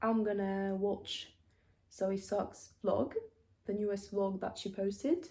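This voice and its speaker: Very slowly, a woman speaks at medium pitch in a dark, mellow, somewhat breathy tone with ordinary pitch variation. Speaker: fitness vlogger. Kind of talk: casual vlog talk. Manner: halting, self-correcting.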